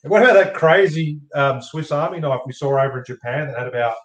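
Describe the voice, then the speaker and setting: A man in loud, matey banter with friends, sweary and emphatic in a blokey, joking way. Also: fairly high pitch, a little fast, roomy sound.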